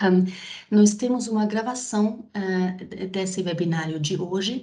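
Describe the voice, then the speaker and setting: Somewhat breathy, a woman with a German accent speaks at medium pitch and a fairly slow pace with fairly even intonation. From Germany. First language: German (speaking Portuguese). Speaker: project director and webinar moderator. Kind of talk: webinar moderation. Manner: halting, many fillers.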